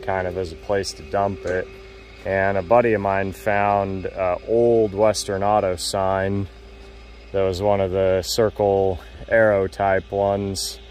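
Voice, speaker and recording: A man calmly narrating a casual walk-around tour of a wooded car lot outdoors, in matter-of-fact, unhurried remarks. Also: sits low, a little hiss or hum. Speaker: vlogger touring a car lot.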